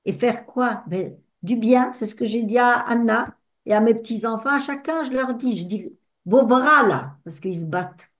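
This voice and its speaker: An older woman shares a personal testimony at a talk with audience discussion, her voice on the high side and at a normal speed. She tells her stories expressively, acting out the dialogue.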